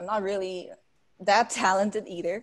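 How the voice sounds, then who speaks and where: This woman speaks at a moderate pace. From Indonesia. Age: young. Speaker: young activist, charity founder; guest. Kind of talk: casual interview. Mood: reflective, thoughtful. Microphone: video call.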